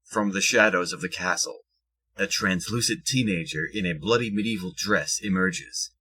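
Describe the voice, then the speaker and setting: Deep, bright, husky male narrator. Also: moderate pace, rough recording. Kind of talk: scripted present-tense action narration.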